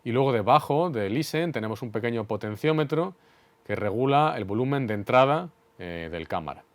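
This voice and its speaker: A man with a Spain Spanish accent teaches in a didactic, orderly manner. His voice sits at an average male pitch. The sound is dry, with very little room around it, as he walks the listener through a demonstration. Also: lively intonation, brisk, dry recording. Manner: clear, methodical, didactic. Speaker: instructor explaining studio equipment. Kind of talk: instructional demonstration.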